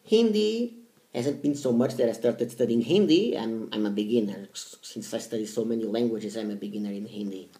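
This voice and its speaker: A man's voice: fairly low pitch, warm tone, reverberant. A man, talking casually to camera about his language studies and often restarting his words. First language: Portuguese. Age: 30s. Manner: halting, repeats words, stresses each language name. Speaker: language learning vlogger.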